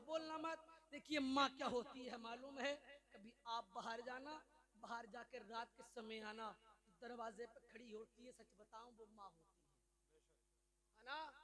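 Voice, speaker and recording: A man preaching a sermon to a large gathering, swinging from hushed talk to shouting. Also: extremely high pitch, steady tone. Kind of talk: Urdu religious sermon. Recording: live event with crowd noise.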